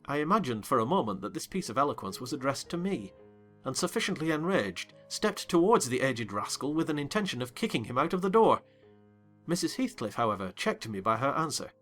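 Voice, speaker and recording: A man narrating a dramatized audiobook reading in an expressive, wry manner. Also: mid-range voice, a little fast, faint music behind.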